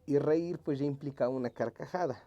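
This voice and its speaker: A man, a teacher working through exam questions aloud, humming as he thinks and slowly rereading each option. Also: mid-range voice, warm tone, dull audio.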